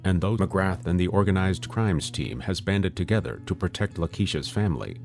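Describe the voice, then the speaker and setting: A man's voice: deep voice, lively intonation, moderate pace, vocal fry, darkish tone, faint music behind. A man delivering dramatic scripted narration for an episode preview.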